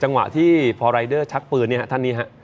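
A man presenting morning news, retelling events in a lively, chatty way and addressing viewers directly. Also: medium pitch, fast, highs cut off.

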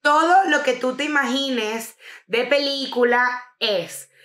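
A woman's voice: sits high, slow pace. Slangy Venezuelan woman in an echoey room. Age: young adult. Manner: animated storyteller, slangy and swearing. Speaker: podcast co-host. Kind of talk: casual chat.

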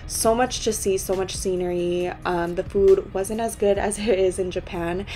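A young woman in her twenties talks through a travel vlog in an easy, chatty way. Her voice is hoarse and worn, and she rambles on, slipping small laughs in between her phrases. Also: mid-range voice, steady tone, normal speed, mellow. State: hoarse, lost voice. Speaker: travel vlogger. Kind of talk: casual vlog voice-over and to-camera talk.

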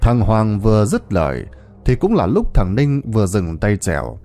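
A male narrator reading a horror tale with a dark, mellow voice that swings widely in pitch. His delivery is dramatic, with soft music faintly underneath a dry, close sound. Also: normal speed. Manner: dramatic, expressive storytelling.

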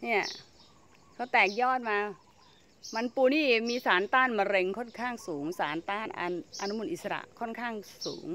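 A woman's voice: on the high side, moderate pace, bright, forceful tone. A woman talks her way around her home vegetable garden in a casual, chatty way, often exclaiming over what she finds. She is outdoors, with faint background noise and birds chirping around her. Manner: chatty, exclaims and laughs while showing plants. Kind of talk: casual garden tour vlog.

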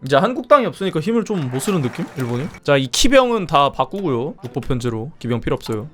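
Lively young man commenting on a game. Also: fairly high pitch, fast talker, slight background noise. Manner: lively, swearing, exclaiming at the game. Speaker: streamer.

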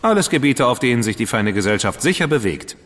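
Theatrical ironic dandy, mid-pitched, radio drama. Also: male voice, sing-song, fast, fairly bright tone. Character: witty, theatrical male dandy, ironic and fastidious. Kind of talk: German radio drama acting. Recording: long reverb with music behind.

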